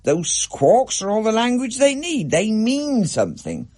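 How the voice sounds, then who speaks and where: A man's voice: high voice, huge pitch swings, measured pace, darkish tone, no room sound, studio quality, voice pushed up, exaggerated voice. A man playing a stern, opinionated father who lays down the rules. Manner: stern, firm.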